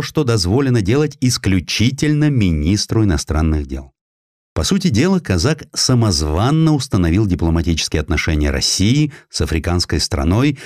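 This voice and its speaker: A man narrating a historical story in an expressive, dramatic storytelling manner. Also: on the low side, no echo, studio quality. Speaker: audiobook narrator.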